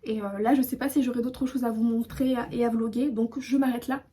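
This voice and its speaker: A woman's voice: fairly high pitch, steady tone, a little fast, mellow. A woman from France chatting casually to her phone camera in a hotel room, rambling with many fillers and restarts. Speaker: vlogger. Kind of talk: casual vlog chat to camera.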